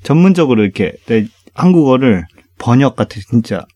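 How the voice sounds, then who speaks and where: A Korean man talks very fast in a dark, mellow voice, answering with short replies and mixing two languages. The recording is dry and close. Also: mid-range voice, very animated, no room sound. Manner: frequent short "un" replies, mixes Korean and Japanese. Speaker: co-host, Korean native speaker. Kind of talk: casual chat with backchannel replies.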